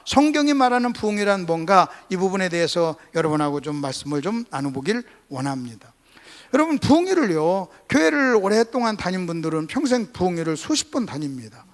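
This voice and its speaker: A man's voice: very high voice, fairly bright tone. A man from South Korea preaches a revival sermon as a pastor, teaching emphatically with repetition and rhetorical questions to his congregation. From Gunsan, North Jeolla, South Korea. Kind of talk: Sunday revival sermon with call-and-response to congregation. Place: church service.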